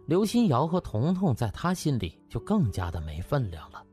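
A man's voice: medium pitch, wildly swooping pitch, moderate pace, warm tone, soft background music. A man narrating a novel as a dramatised audiobook.

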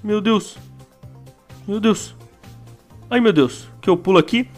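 A young Brazilian man giving excitable, slangy gameplay commentary as a gaming YouTuber, full of exclamations. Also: high-pitched, slow pace, faint music behind. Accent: Brazilian Portuguese.

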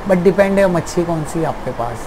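A man's voice: fairly high pitch, animated, moderate pace, noisy background. A young man who runs an aquarium shop, explaining at length in a casual, repetitive way, seated in his small shop.

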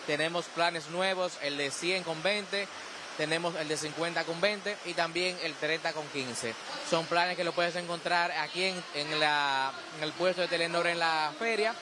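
A young Dominican man at an expo fair stand, rattling off prices and plans into a handheld mic. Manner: quick sales pitch listing prices. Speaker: company representative. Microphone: interviewer's handheld mic. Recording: noisy fair hall.

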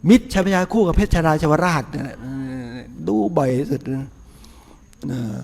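Male buddhist monk, chatty folksy sermon, slightly high voice, long hall reverb. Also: moderate pace, creaky, darkish tone, breathy edge. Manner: folksy, chatty, with frequent laughs and rhetorical questions. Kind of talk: casual sermon before a meal. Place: temple hall.

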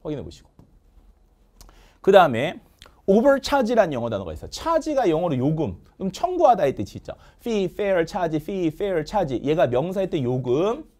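A man teaching English vocabulary in a lively lecture, drilling words call-and-response and joking with his producer. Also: high-pitched, measured pace. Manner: call-and-response drilling, asks "됐습니까?" often; jokes with the producer off camera.

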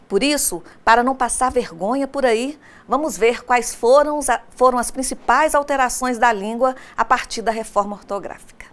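A woman with a Brazilian Portuguese accent narrating an online lesson as a teacher, speaking directly to her students and asking them questions as she explains. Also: on the high side.

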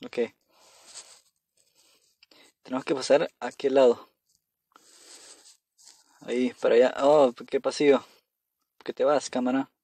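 Guy playing a horror game on his phone, jumpy, keeps repeating himself, mid pitch, dry sound. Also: level tone, unhurried, pauses often, warm tone, slightly rough, dry recording. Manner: jittery, talks to himself, repeats phrases when scared. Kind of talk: casual gameplay commentary.

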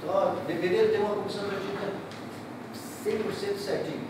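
A man's voice: high-pitched, steady tone, a little fast. A middle-aged man from southern Brazil gives an emotional, repetitive speech at a ceremony, speaking from the heart and gesturing broadly. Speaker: real estate broker giving a speech. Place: large indoor hall. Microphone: distant room mic. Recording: echoey hall, distant mic, noisy.

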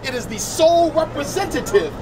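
A middle-aged man debating outdoors on a city sidewalk, speaking into a handheld mic in a measured, lecturing way that repeats its phrases. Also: very high voice, animated, music in the background. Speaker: street debater. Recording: noisy outdoor street recording. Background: crowd and traffic noise.

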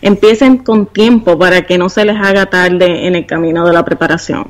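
A woman's voice: lowish voice, steady tone, moderate pace. Puerto Rican woman in her forties. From Puerto Rico. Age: 40s. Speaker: guest, university professor and business consultant. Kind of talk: podcast interview conversation.

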